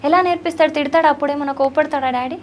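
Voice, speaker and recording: Teasing woman interviewer, high voice. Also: racing, a little hiss or hum. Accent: Telugu. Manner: teasing, affectionate, animated questions. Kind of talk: playful interview with a child.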